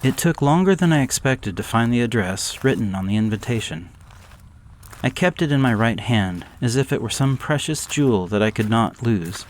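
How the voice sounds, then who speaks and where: A man narrating a gothic horror story in a measured, deliberate way. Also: medium pitch, expressive, a little hiss or hum.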